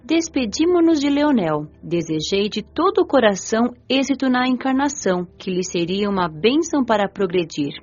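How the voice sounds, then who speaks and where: Woman narrator, gentle, reflective, lively pitch, slightly dull audio, faint music. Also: moderate pace, few pauses. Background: soft background music.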